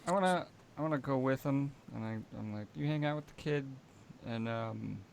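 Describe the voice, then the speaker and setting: A man's voice: medium pitch, moderate pace, vocal fry. A man talking casually as a player in a tabletop roleplaying game. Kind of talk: casual chat in game play.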